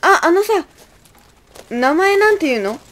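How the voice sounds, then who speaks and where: A young woman playing an earnest, stressed high-school senior girl in an amateur radio drama. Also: big pitch swings, a little slow, fairly bright tone, full character voice. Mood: friendly, hesitant. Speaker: student radio drama actor.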